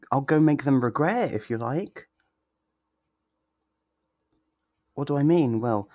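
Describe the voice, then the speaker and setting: A man's voice: mid-range voice, darkish tone, no room sound, studio quality, natural voice. A man playing a sweet, possessive yandere lover in an intimate ASMR roleplay, tender and reassuring. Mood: protective, menacing. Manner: tender, reassuring, slow and deliberate.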